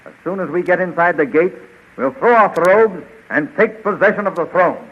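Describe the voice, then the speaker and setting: An actor playing a confident, decisive young adventure hero in an earnest 1930s radio serial. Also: male voice, high voice, moderate pace. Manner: earnest, declamatory. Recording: muffled, hissy 1935 radio recording.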